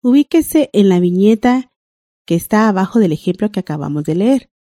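Clear, deliberate woman teaching a lesson. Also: mid-range voice, expressive, warm tone, no room sound, clean studio sound. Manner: clear, deliberate instructional reading. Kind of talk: educational broadcast lesson.

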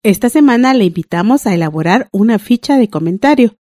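A woman teaching a language lesson on a broadcast, reading out rules and examples in a clear, deliberate way. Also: a little high, animated, mellow, no room sound, studio quality.

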